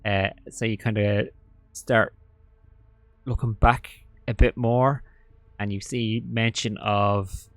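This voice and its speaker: Halting man running a tabletop game. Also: lowish voice, steady tone, no echo. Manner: halting, full of fillers and restarts. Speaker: game master.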